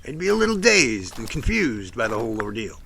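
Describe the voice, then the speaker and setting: A man playing an earnest, self-assured Bigfoot investigator in an audio drama, explaining things in measured, speech-like lines. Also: mid-range voice, big pitch swings, creaky, sharp tone, slight background noise, heavily acted. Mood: earnest, pondering. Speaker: actor in a Sasquatch audio drama. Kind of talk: amateur audio drama dialogue.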